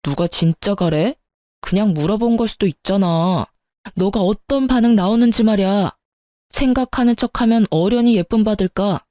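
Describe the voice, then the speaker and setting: Woman doing a sulky husband, whiny and blaming, warm dark voice, dry close mic. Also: medium pitch, normal speed, dry recording, close to an everyday voice. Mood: reproachful. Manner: reproachful, whiny. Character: sulky, defensive young husband.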